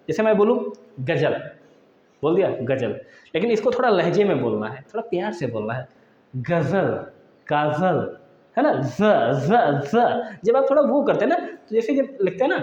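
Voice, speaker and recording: A man's voice: high voice, a little mellow, echoey room, dull audio. A man teaching an exam-prep grammar lesson, explaining patiently and often repeating key points to his students.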